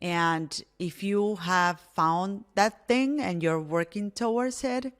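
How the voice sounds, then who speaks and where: A woman's voice: mid-range voice, takes it slowly. A woman whose first language is Spanish, hosting a solo podcast in an earnest, encouraging way with frequent restarts. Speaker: podcast host.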